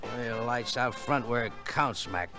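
An actor playing a surly, drunken American tough guy, gruff and slangy, in a vintage radio drama. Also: mid-range voice, normal speed, sharp tone, soft background music. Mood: surly, threatening. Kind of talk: 1940s-50s radio drama acting.

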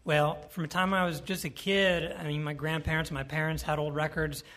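A man's voice: fairly high pitch, level tone, a little fast, fairly bright tone. A man from Ohio with a nasal voice, a country singer talking casually in an interview. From Ohio, United States.

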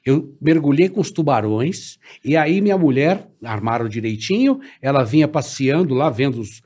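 A middle-aged man, telling a story in casual chat, animated and swearing. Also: mid-range voice, moderate pace.

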